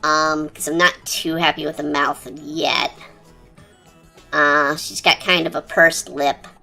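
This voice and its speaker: A streamer talking through a high-pitched chipmunk voice changer in rambling, casual chat while drawing. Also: level tone, takes it slowly, vocal fry. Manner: rambling, chatty, lots of fillers. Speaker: art streamer. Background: quiet cafe-style background music.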